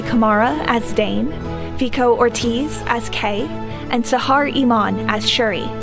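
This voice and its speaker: A woman reading scripted end credits as an announcer for an audio drama. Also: fairly high pitch. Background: theme music.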